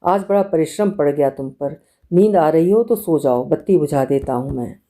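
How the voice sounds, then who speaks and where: Woman voicing a gentle pleading young husband. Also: low voice, expressive, moderate pace. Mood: coaxing. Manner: soft coaxing questions.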